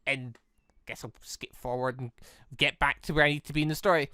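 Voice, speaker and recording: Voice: medium pitch, steady tone, brisk, sharp tone, dry recording, clean studio sound. A gaming video creator giving casual, rambling let's play commentary and talking to themselves. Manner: rambling, talks to self.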